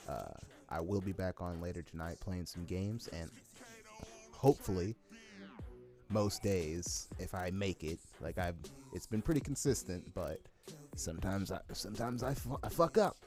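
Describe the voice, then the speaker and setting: A man's voice: low voice, normal speed, dark tone. A man hosting a casual solo podcast, rambling and repeating himself in a stoned way. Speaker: podcast host. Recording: music playing behind the voice. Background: music.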